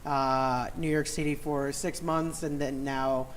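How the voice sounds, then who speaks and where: A man's voice: medium pitch, level tone, slow, slight background noise. A man in his thirties from Puerto Rico, chatting as an interview guest and searching for his words. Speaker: interview guest, company co-founder. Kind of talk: casual interview chat.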